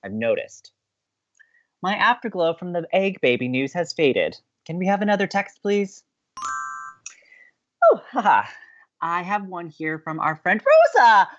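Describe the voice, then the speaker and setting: A woman acting as a sweet, earnest, sentimental college radio co-host in an audio drama, with expressive delivery. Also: fairly low pitch, measured pace, long pauses, dull audio. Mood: mock indignant. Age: young adult. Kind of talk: naturalistic audio drama banter.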